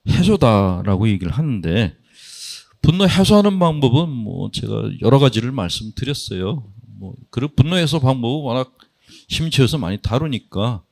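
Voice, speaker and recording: Animated middle-aged priest telling jokes. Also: male voice, mid-range voice. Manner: joking, anecdotal storytelling to an audience. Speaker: Catholic priest. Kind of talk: humorous spiritual psychology talk.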